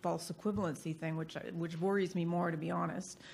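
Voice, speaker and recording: At a fairly quick pace, a woman with a fairly low pitch speaks in a flat monotone that is somewhat breathy. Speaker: wire service editor. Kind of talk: panel discussion. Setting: stage with live audience. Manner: fast.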